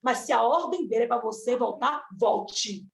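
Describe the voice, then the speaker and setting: A woman's voice: a little high, lively intonation, moderate pace, creaky. A woman preaching a fervent sermon, exhorting her listeners with repeated, rising calls. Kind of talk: Pentecostal-style sermon on a live stream. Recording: echoey room with faint noise.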